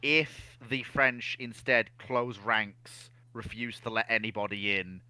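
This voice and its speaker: A man with a fairly low, forceful voice, recorded dry. He talks analytically but informally as a panelist, setting out his reasoning point by point. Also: slow pace, clear, resonant tone, dry recording. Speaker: history discussion panelist. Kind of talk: casual analytical discussion.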